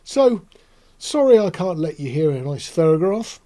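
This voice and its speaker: A man in his sixties hosting a casual explanatory talk in a measured, reflective, matter-of-fact way. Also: a little high, very animated, mellow. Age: 60s. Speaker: host. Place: small indoor studio.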